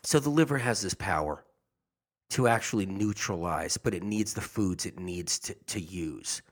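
A man's voice: low-pitched, lively intonation, normal speed. A man talking casually and earnestly to his audience about health, rambling and often repeating himself. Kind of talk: casual monologue.

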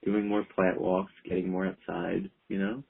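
A man's voice: low voice, level tone, normal speed, vocal fry, breathy edge. A man, a clinical herbalist, talking as a guest over a speakerphone call in a rambling, easygoing way with lots of fillers. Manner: rambling, full of "like" and "you know". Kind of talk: casual interview talk. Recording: tinny phone line.

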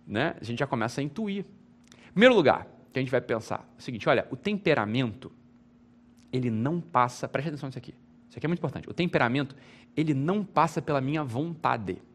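A man's voice: mid-range voice, animated, fast talker. A Brazilian man giving an informal spoken lecture, emphatic and repetitive, often checking with his listeners through rhetorical questions. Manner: repeats phrases, restarts. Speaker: teacher.

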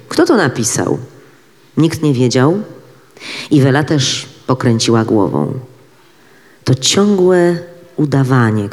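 A man reading a literary prose passage aloud in a measured way, with dramatic pauses. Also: medium pitch, darkish tone. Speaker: reader. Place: event hall. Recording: reverberant hall.

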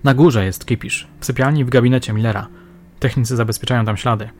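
A man voicing a gruff, blunt, talkative male police sergeant in an audiobook. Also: mid-range voice, steady tone, fast talker, a little hiss or hum, close to an everyday voice. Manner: blunt, slangy.

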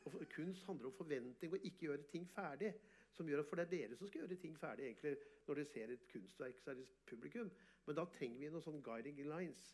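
A man, an artist and photographer, telling animated, boastful stories in an interview and often laughing. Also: a little high, few pauses. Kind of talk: casual storytelling interview.

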